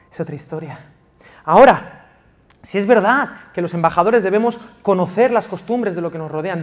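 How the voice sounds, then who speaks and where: High-voiced Spanish pastor preaching with passion. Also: male voice. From Spain. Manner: passionate, swings from loud emphatic to quiet intimate. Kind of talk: sermon. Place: church in Valencia.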